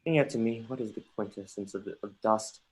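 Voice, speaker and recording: A performer acts out a young Danish prince in a Shakespearean stage reading. He is sardonic and brooding, declaiming theatrically at a middling pitch, with the odd stumble over the verse. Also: fairly quick, darkish tone, slightly rough, natural voice. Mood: melancholy. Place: remote livestream from home.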